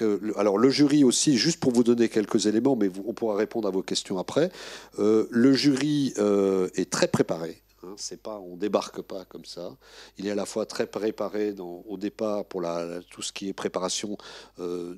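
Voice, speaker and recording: An older man with a very low, deep voice addresses exam candidates as jury president. His delivery is formal but halting, full of fillers and restarts. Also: darkish tone. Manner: hesitant, many fillers and restarts. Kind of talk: formal public presentation. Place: conference room.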